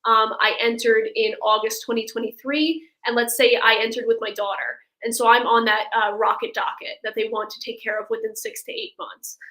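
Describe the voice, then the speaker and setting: High-pitched woman explaining step by step. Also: level tone, a little fast, few pauses, pushed and bright, poor audio. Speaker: immigration attorney, guest expert. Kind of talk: explaining legal steps in a webinar Q&A.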